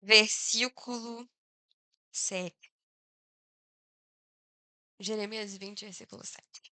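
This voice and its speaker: A young adult woman with a Brazilian Portuguese accent preaching a sermon in an animated, conversational way. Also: medium pitch, drawn-out words, clear, resonant tone, no room sound.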